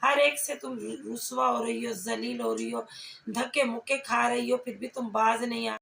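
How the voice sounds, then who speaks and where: A woman's voice: on the high side, moderate pace, creaky, a bit bright. A woman giving confrontational reaction commentary, scolding and taunting with pointed rhetorical questions. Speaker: reaction vlogger. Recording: echoey room, faint background noise.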